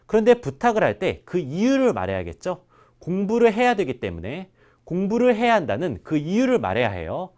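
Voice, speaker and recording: A man teaching a language class, drilling example words slowly and clearly for his students. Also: high-pitched, huge pitch swings, darkish tone. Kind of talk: classroom lesson.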